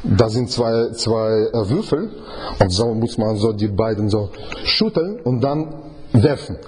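A man's voice: on the low side, unhurried. A man preaching in conversational, non-native German, quizzing his listeners and acting out the scenes he explains. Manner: animated, quizzes the audience, acts out scenes. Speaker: Bible teacher. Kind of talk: conversational Bible study sermon.

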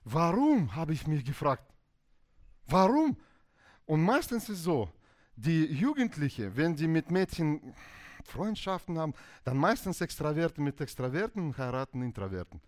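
A man with as his preaches to a congregation. His voice sits a little higher than most men's and swings widely in pitch, and he acts out arguing couples in quick bursts of dialogue. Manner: animated, acts out quarrels in dialogue, non-native German phrasing. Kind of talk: sermon on marriage.

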